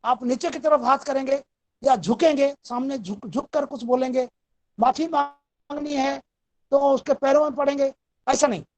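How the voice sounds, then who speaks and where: Brief: female lecturer, high voice, calm and methodical, walks students through each point of a recorded class. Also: normal speed. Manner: explanatory, steady and methodical.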